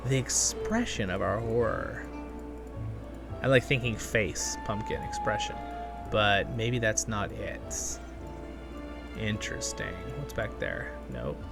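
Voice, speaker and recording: With music in the background, a gaming channel host offers casual gameplay commentary in a low-ish, creaky voice. He's enthusiastic and chatty, thinking out loud as he plays.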